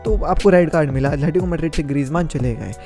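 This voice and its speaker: A man's voice: a little high, fast, over music. A young man gives a casual, opinionated football match review, talking in a chatty and emphatic way.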